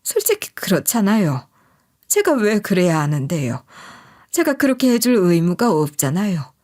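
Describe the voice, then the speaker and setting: A woman's voice: mid-range voice, sing-song, moderate pace, warm tone. A woman reading a scripted first-person story, addressing listeners in a conversational, confiding manner. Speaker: story narrator.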